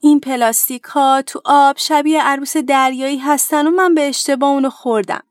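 A woman's voice: high-pitched, steady tone, no echo, clean studio sound, pitched above the performer's own voice, natural voice. A woman voicing a young baby whale who sounds faint and weary, in a children's storybook tale. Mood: gentle. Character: baby whale, weak and short of breath.

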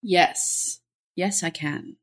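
A woman's voice: fairly low pitch, animated, extremely slow, gravelly. A woman narrating her character's actions casually as a player in a tabletop game.

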